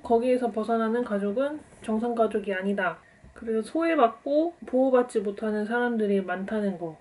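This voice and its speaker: A young woman vlogger calmly talking through the books she is reading, in a measured, thoughtful way. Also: on the high side. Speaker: book vlogger. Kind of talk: calm book talk to camera.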